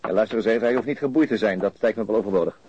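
An actor playing a calm, shrewd police detective, measured and understated, in a radio crime drama with muffled sound. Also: male voice, on the low side, background noise, natural voice. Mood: calm authority.

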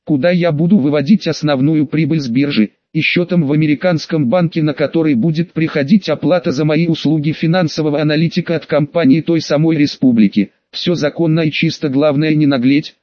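A man reading a first-person audiobook in a calm, measured way. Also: fairly high pitch, no echo. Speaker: audiobook narrator. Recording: dull, dry lo-fi recording.

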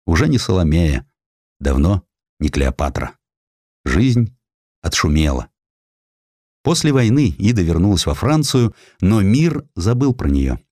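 A man reading a historical essay as a dramatic audiobook narrator, with expressive, measured literary phrasing into a close studio mic. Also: deep voice, dry recording. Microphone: close studio microphone.

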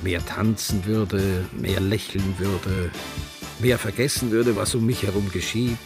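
A man's voice: lowish voice, fairly even intonation, a little slow, music in the background. An actor playing a frank, flamboyant gay man in his seventies with an Austrian accent, telling his life in a radio drama. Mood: wistful, rapturous. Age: 70s. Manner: frank, theatrical. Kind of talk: radio drama, intimate storytelling.

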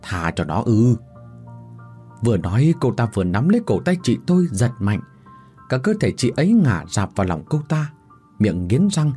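A man narrating a first-person horror story in a dramatic, expressive way. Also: on the low side.

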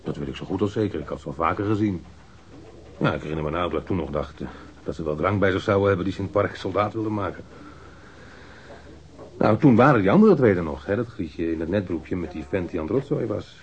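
A man's voice: low voice, expressive, fast. An actor playing an evasive street mugger in a radio drama, defensive and rambling as he answers police questions in slangy, hesitant speech. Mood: insistent, irritated. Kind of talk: naturalistic radio drama acting. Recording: dull lo-fi radio recording.

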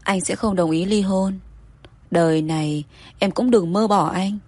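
A woman's voice: mid-range voice, unhurried, husky. Woman reading as a pleading young husband. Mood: firm. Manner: soft wheedling pleading.

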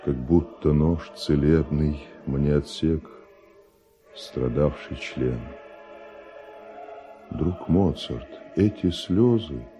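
An envious, secretly murderous composer in a radio play. The voice is extremely deep and shadowy, weighing each line of verse with grave, tormented deliberation. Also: male voice, very slow, pauses often, warm tone, faint music behind, exaggerated voice. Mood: anguished relief. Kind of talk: classic Russian radio drama verse acting.

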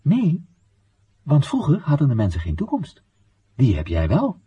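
A man's voice: medium pitch, huge pitch swings, unhurried, breathy edge, dull audio, exaggerated voice. An actor playing a dogmatic male party comrade in a radio play, lecturing in a didactic, emphatic way. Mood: patronising, firm. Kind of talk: scripted radio drama dialogue.

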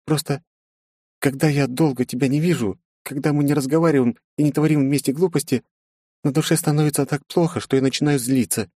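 A man's voice: a little high, fairly even intonation, mellow, no echo, clean studio sound, voice pushed up, natural voice. A man reading an audiobook voices a jealous, capricious young princess who pleads and flares up. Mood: soft apologetic. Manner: pleading, clingy, quick to anger.

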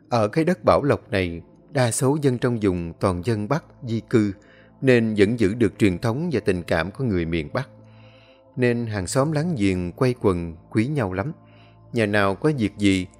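A man narrating a ghost story in slow, measured storytelling. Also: fairly low pitch, darkish tone.

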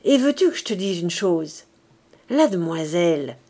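A woman putting on a loud, gloating old schemer. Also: mid-range voice, animated, a little slow. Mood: insistent. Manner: agitated, commanding, raised voice. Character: scheming poor older man, loud and domineering.

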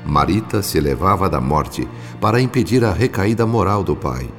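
A man's voice: low-pitched, big pitch swings, normal speed. A man with a Brazilian accent narrating a radio soap opera in a dramatic, scripted style. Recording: long reverb, music behind.

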